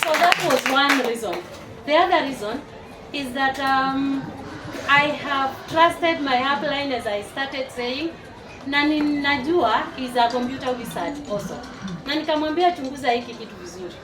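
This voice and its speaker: A woman in her forties from Uganda, a teacher and network marketer, giving a lively testimonial to a live audience and rallying them to clap. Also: sits high, normal speed. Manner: lively, rallies the crowd to clap. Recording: echoey hall, far from the mic, noisy.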